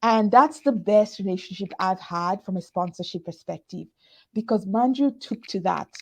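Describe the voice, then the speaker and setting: At a moderate pace, a woman talks in an animated tone, her medium-pitched, somewhat breathy voice showing ordinary pitch variation. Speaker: product executive and workshop speaker. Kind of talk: conference workshop talk.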